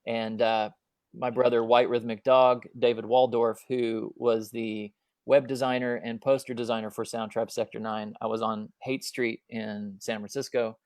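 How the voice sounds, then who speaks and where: A man telling a personal story as a guest speaker at an online talk, halting with many fillers and restarts, over a video call. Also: mid-range voice, little pitch movement, a little mellow, dry recording, studio quality.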